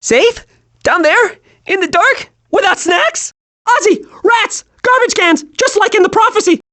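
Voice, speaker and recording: Hyperactive young male squirrel, game animation: very high, swooping, wide-eyed and childlike. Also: a little slow, heavily acted. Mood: giddy, excitable. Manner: excitable, naive, wide-eyed. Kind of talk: animated video game voice acting.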